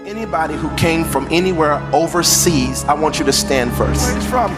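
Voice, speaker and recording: A preacher leading a church service, calling out exclamations in a shouting, sing-song way. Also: medium pitch, lively intonation, fairly quick, over loud music. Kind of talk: call-and-response preaching.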